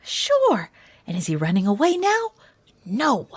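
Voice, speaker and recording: A woman's voice: a little high, huge pitch swings, measured pace, slight background noise. An actress playing a chatty, teasing young female student assistant in an audio drama. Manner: teasing, matchmaking.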